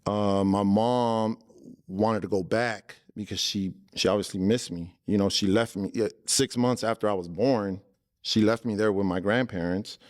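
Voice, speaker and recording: A man in his forties from Los Angeles talks easily as a podcast guest, with a somewhat low voice. He circles back and restarts his sentences in a loose, chatty way. The sound is dry and close. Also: dry recording. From Los Angeles, born in El Salvador. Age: 40s. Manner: relaxed, loose, peppers talk with "man", frequent restarts. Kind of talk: casual interview talk.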